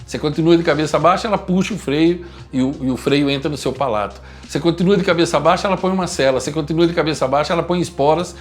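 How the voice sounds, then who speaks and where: Brazilian male motivational speaker, fairly high, quick, emphatic, preachy. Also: soft background music. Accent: Brazilian Portuguese. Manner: blunt, emphatic, lecturing. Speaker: communication speaker. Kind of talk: motivational talk.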